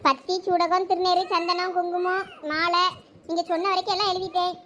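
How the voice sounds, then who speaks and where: A voice actor playing a dutiful young daughter-in-law in a cartoon, obliging and listing items, with a squeaky sped-up voice. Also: level tone, a little fast, bright, forceful tone, slight background noise. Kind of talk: cartoon voice acting.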